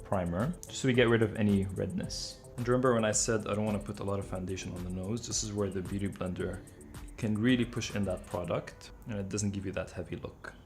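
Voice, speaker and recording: A man working as a makeup artist, talking through a makeup routine in a relaxed, chatty way and correcting himself now and then. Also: on the low side, soft background music. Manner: relaxed, chatty, with quick self-corrections and light laughs.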